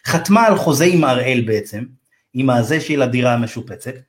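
A man from Israel's Ethiopian community, a real estate advisor, telling a story in a loose, slangy, animated way and acting out the dialogue. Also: mid-range voice. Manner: animated, acts out quoted dialogue in raised voices; loose, slangy, addresses listener as bro. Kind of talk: casual storytelling in a podcast interview.

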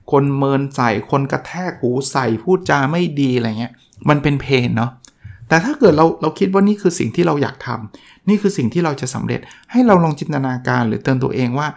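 A man with a gravelly, fry-tinged voice chats through the lessons of a self-help book. His delivery is casual and explanatory, and he pauses to translate English terms. His pitch sits in an ordinary middle range. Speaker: book summary host. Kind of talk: casual spoken book summary.

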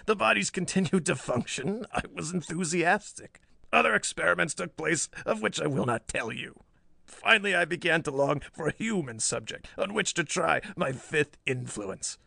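A man's voice: a little high, expressive, normal speed, creaky, bright, forceful tone, dry recording, voice pushed up, exaggerated voice. A man voicing a sullen, sly old mad scientist, theatrical and snarling, in a pulp story reading. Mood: sullen, boastful. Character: crazed, sullen old male professor, villainous mad scientist.

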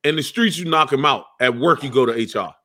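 A man co-hosting a casual podcast, talking in an animated way with lots of street slang and interruptions. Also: medium pitch, brisk. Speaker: podcast co-host. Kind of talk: casual chat.

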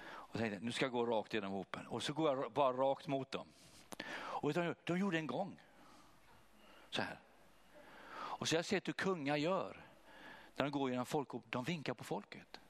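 A man preaching, telling a personal testimony in an animated way and acting out what others said. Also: mid-range voice, a little hiss or hum. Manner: animated, acts out voices of others. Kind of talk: testimony storytelling.

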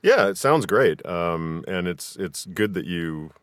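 A man hosting a casual interview, asking questions haltingly and rephrasing as he goes. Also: low voice, expressive, fairly bright tone, no echo. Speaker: podcast host, interviewer.

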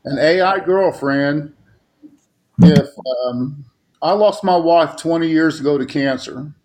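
A man's voice: on the high side, slow pace, darkish tone, rough recording. A man in his late fifties, a talk show guest, speaking bluntly and defending himself with emphasis. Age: 50s. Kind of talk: heated talk show argument.

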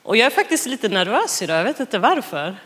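A woman's voice: fairly high pitch, very animated, a bit bright. A woman in her thirties preaching as a guest speaker, telling a funny personal story, laughing often and acting out the dialogue. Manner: chatty, self-mocking, laughs often; acts out quoted dialogue. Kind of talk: sermon with personal anecdote.

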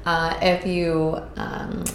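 A woman hosting a solo podcast, hoarse and raspy from a cold, talking in an upbeat, earnest way. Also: lowish voice, flat delivery, extremely slow, reverberant, slight background noise. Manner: upbeat, earnest, with filler words. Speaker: podcast host. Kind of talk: casual solo podcast talk. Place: indoors in Costa Rica.

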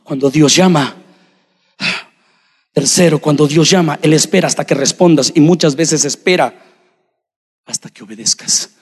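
A man preaching a sermon to his congregation, addressing them directly and swinging between shouting and hushed speech. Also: fairly high pitch, moderate pace, long pauses, husky. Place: church sanctuary. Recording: long hall reverb.

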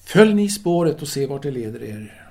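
An actor playing a courteous, restless philosophy teacher of the 1930s in an audio drama, speaking formally with hesitant pauses. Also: male voice, mid-range voice, very animated, warm tone. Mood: probing, measured. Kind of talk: audio drama dialogue, intimate phone conversation.

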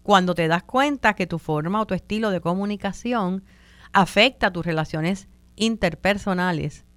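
A Puerto Rican woman hosting a talk on communication, relaxed and chatty, with many fillers, sometimes acting out other people's voices. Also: on the low side, moderate pace, clean tone, no echo. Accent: Puerto Rican Spanish. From Puerto Rico. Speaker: radio host on communication and wellbeing. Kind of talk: conversational talk on communication styles.

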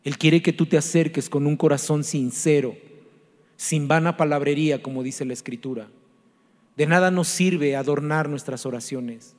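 A man's voice: fairly high pitch, moderate pace. A man preaching a sermon as a pastor, earnest and pleading, repeating questions to his listeners. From Mexico. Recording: long reverb with soft music behind.

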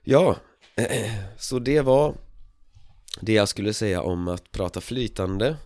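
Man, podcast host, low voice, dry close sound, relaxed, chuckles often, lots of fillers. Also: no echo. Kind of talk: casual spoken monologue.

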